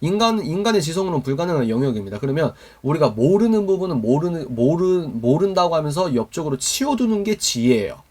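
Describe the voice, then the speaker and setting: A man's voice: fairly high pitch, sing-song, fast talker, few pauses, darkish tone. A man teaching a Christian youth mentoring lesson, quizzing his listeners with call-and-response questions. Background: live online stream to viewers.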